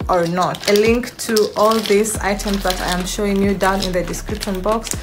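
A woman's voice over noticeable background noise. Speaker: beauty vlogger. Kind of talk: casual vlog chat. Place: home room. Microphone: phone near.

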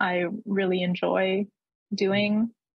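In a dry recording with no echo and a quiet background, a somewhat breathy woman talks in a monotone, flat intonation with a Canadian accent. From Canada. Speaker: comics and animation artist; comics. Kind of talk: casual interview. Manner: hesitant, repeats words. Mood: friendly, thoughtful. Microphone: webcam.

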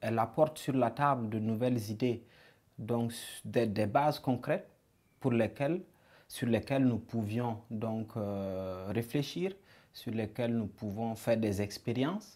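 A man speaks at a very slow pace in a dark, mellow tone. His pitch varies in an ordinary way. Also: medium pitch for a man. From Burkina Faso. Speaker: poetry reader; guest. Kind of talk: personal reflection. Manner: hesitant, many filler sounds. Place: studio. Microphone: lapel.

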